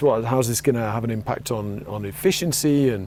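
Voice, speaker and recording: Through noticeable background noise, a man with a British accent speaks at a medium pitch with ordinary pitch variation. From UK. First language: Spanish. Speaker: company CEO. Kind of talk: interview conversation. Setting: outdoors. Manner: repetitive false starts.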